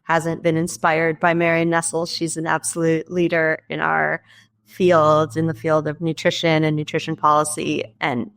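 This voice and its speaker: A woman guest in an interview, an articulate policy scientist answering in a measured, explanatory way. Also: sits low, fairly bright tone.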